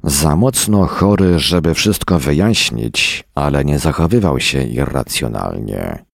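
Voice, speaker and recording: A man voicing a weary, calm man who speaks in a tired, measured way. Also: extremely low pitch, gravelly, no echo, clean studio sound, full character voice. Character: weary calm older man, scientist type.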